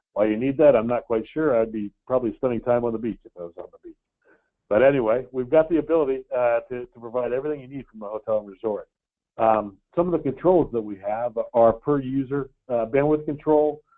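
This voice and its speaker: A man's medium-pitched voice at a fairly quick pace, with ordinary pitch variation and big swings in loudness. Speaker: sales executive presenting a product webinar. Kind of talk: webinar presentation. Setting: online webinar. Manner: fast.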